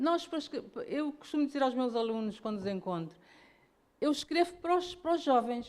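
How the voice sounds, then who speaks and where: A woman speaks fairly quickly in a high voice whose pitch swings very widely. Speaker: writer. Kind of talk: panel discussion. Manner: halting.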